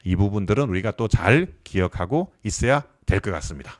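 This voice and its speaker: A man's voice: on the low side, animated, brisk, no echo, clean studio sound. A man in his fifties giving a live explanatory lecture, putting questions to his listeners. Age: 50s. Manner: explanatory, asks the audience questions. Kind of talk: live lecture on pension reform.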